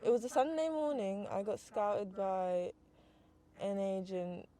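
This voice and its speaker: A woman's voice: animated, a little slow. A woman in her twenties, raised in Jamaica, chatting casually as a taxi passenger, hesitant with many fillers. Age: 20s. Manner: hesitant, with frequent ums and likes. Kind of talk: casual chat. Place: back seat of a moving car. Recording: loud car noise. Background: loud road and engine rumble.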